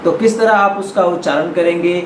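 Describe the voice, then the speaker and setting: A man teaching a Sanskrit lesson online, chanting word forms slowly and clearly for pupils to repeat, with quick explanations between the drills. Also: sits high, roomy sound, background noise.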